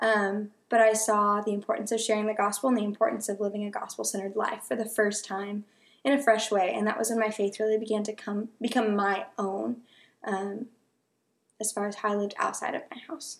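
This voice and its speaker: A woman talks in a plain, everyday voice at a fairly quick pace. Her pitch is fairly high, and her intonation fairly even. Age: 20s. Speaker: college student. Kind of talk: casual chat.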